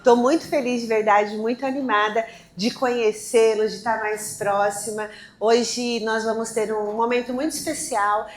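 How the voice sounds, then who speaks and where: A woman hosting a live event, talking to the audience in an energetic, quick and restless way. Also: on the high side. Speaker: event host. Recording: echoey room, faint noise.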